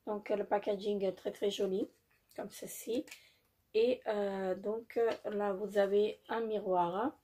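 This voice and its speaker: A beauty vlogger shows off a makeup haul in a casual, hesitant way, full of fillers, repeating "très joli" and apologizing for her English. Her voice is medium-pitched and dark, steady in tone and slow in pace.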